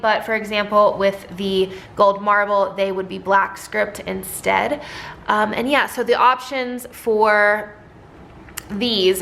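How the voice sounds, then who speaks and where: A woman talking casually through her new sticker designs, chatty and rambling, with a slightly hoarse voice. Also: medium pitch, fairly bright tone, slight background noise. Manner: chatty, rambling, many ums and likes. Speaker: sticker shop owner and designer. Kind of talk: casual product walkthrough.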